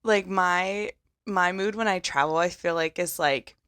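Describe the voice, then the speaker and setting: Young woman podcast co-host, lowish voice, rambly and dry-humored, close dry recording. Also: measured pace, a bit bright, clear, resonant tone, no room sound. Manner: rambling with many fillers, wry. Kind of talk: casual chat.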